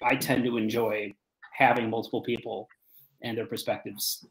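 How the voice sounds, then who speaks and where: A man in his thirties giving a halting, unscripted panel answer as a writer, on a video call from home. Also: lowish voice, flat delivery. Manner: halting, frequent hesitations and self-repairs. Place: room at home, indoors. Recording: echoey room on video call.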